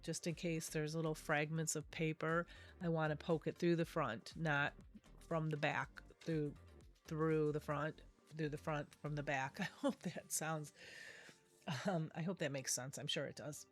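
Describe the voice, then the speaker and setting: A middle-aged woman, nasal from a cold, voices a casual craft tutorial as the video's host. Her low voice is unhurried and fairly even in intonation, and she's chatty and rambling, often correcting herself, over soft background music.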